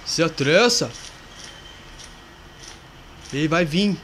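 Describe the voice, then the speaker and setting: Very slowly, in a fairly high voice, a man comments on the horror game he's playing, addressing viewers and a friend. He's excitable and yelps at the jump scares, with slight background noise behind him.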